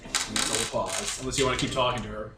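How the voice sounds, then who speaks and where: A man's voice: medium pitch, fairly even intonation, very fast. Man running a tabletop game, distant and echoey. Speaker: game master. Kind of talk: casual improvised tabletop game narration. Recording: roomy, distant, noisy home recording.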